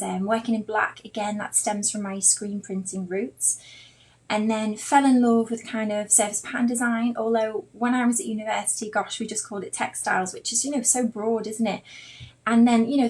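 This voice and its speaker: An artist and online drawing teacher from Liverpool, England, chats in a rambling, informal way straight to her live-stream viewers as she teaches art. Her Liverpool-accented voice sits on the high side and is a little mellow.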